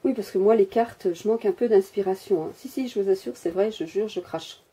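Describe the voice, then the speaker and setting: Husky, dark-voiced woman chatting about crafts. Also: mid-range voice, a little fast. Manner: rambling, self-mocking, many hesitations. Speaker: crafter showing her miniature workshop. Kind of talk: casual chatty show-and-tell. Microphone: handheld camera mic.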